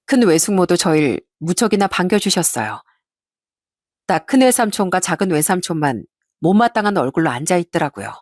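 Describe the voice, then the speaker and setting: A woman narrating a personal family story in the first person in a plain, even manner. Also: lowish voice, dry recording, studio quality.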